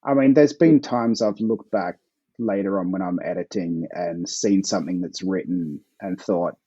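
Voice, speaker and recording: An Australian man, an author guest, talking in a relaxed, hesitant way with plenty of fillers. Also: deep voice, moderate pace, husky, no echo, dull audio. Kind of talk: casual interview chat.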